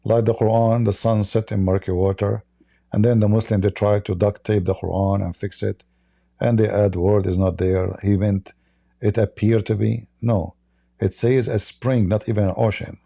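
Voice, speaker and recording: Arab guy, low gravelly voice, dry close sound, mocking and blunt. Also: level tone, normal speed, warm tone, no echo. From Middle East. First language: Arabic. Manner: scornful, blunt, broken English grammar. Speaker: livestream debate host. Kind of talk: combative religious debate.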